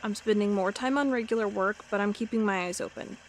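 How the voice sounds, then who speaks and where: An actress playing an uneasy, dogged FBI agent dictating case notes in an audio drama, halting and conversational. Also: female voice, medium pitch, a little hiss or hum, natural voice. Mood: businesslike, uneasy. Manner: halting, conversational, self-correcting. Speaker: FBI records agent character. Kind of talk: audio drama monologue, spoken like a recorded log.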